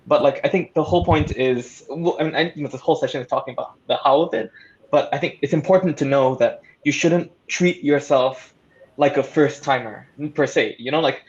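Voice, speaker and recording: The audio is a bit muffled, and the voice is a man's, pitched somewhat high. He speaks casually as a panelist, with eager, encouraging energy. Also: brisk. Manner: excited, encouraging. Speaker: audio drama creator and panelist.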